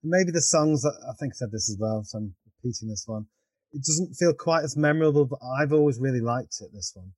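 A man's voice: mid-range voice, expressive, fast talker, a little mellow, no echo. Hesitant man, dry close sound. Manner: hesitant, trailing off. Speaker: podcast guest. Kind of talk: casual chat.

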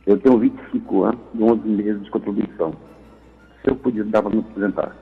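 Husky man in his sixties phoning in, low and muffled over the line, plain and direct. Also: fairly even intonation, brisk. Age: 60s. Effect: heard over the phone. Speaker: caller. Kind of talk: call-in question to a radio show. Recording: dull, lo-fi phone line with music underneath.

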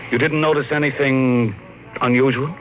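A man's voice: medium pitch, fairly even intonation, moderate pace, fairly bright tone, reverberant, a little hiss or hum, close to an everyday voice, rough recording. An American actor playing a troubled, stubborn father in a 1950s radio drama, earnest and dramatic. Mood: tense, insistent. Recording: old radio broadcast with music behind.

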